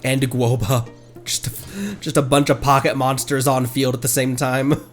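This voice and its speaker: A man giving casual livestream gameplay commentary, halting as he thinks aloud. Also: mid-range voice. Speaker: game streamer. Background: game music.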